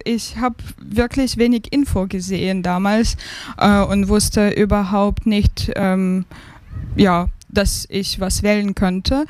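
Woman from ukraine, thirties, slow hesitant speech, dry close sound. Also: on the high side, darkish tone, no room sound. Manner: slow and hesitant, many fillers. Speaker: guest, migrant advisory council member. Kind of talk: radio interview.

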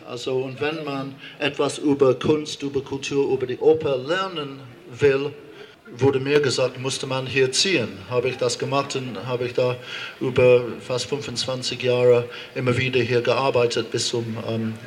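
A man's voice: mid-range voice, slight background noise. A man with an English accent speaking German as a second language, addressing a street demonstration with hesitant phrasing and many fillers. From England. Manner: halting non-native German, frequent hesitations. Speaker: opera house director speaking at a rally. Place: outdoor demonstration on a square.

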